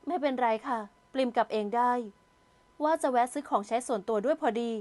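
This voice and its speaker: A wounded young woman who stays polite but slips in sharp, sulky jabs, as voiced by a woman reader. Her voice is high and light. She belongs to a spoken romance novel. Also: brisk, close to an everyday voice. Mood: hurt polite.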